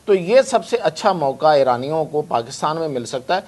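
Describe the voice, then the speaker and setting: Guy on a talk show, sure of himself, pitch a bit high, drops english bits in. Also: lively intonation, darkish tone. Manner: confident, salesman-like, mixes in English phrases. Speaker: defense analyst guest. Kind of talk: discussion on a news talk show.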